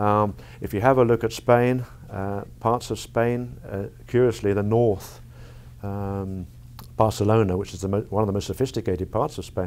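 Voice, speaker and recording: A man with a British accent speaks at a moderate pace, his pitch fairly low with ordinary variation. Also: very clean recording, silent background. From United Kingdom. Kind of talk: interview. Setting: at a research conference. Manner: halting, many fillers and restarts.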